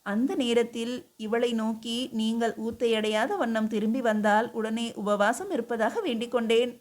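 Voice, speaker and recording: A woman's voice: on the high side, fairly even intonation, moderate pace, a little mellow, lightly acted. A woman voicing a humble, devoted queen who speaks earnestly and pleadingly, in an audiobook reading. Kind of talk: audiobook character voice.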